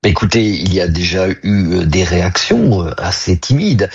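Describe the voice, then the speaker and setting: A man as an interview guest, giving measured political analysis with frequent hesitations and emphatic stresses. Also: sits low, expressive, vocal fry, breathy edge, lo-fi sound. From United States. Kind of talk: live news interview commentary.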